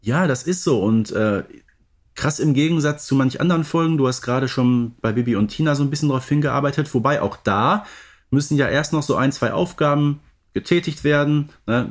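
A middle-aged man speaks in a medium-pitched voice. He co-hosts a podcast in a casual, conversational style. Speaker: podcast co-host. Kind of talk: casual chat about audio drama episodes.

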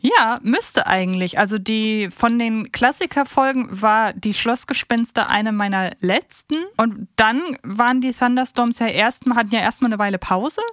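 A woman's voice: fairly high pitch, normal speed, few pauses, fairly bright tone, no echo, studio quality. A woman chatting casually as a podcast co-host.

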